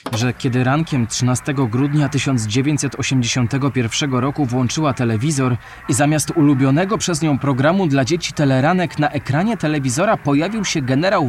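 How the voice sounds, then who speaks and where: A man's voice: medium pitch, a little hiss or hum, natural voice. A man playing a curious, earnest young boy who asks questions in a children's educational audio drama. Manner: inquisitive, earnest.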